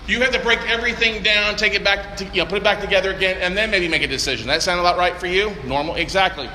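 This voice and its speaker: A man from Texas giving a live seminar talk, loud and joking, swearing casually. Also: high voice, fast. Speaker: seminar speaker. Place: large conference hall. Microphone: handheld or stage mic through PA. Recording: echoey hall, noisy room.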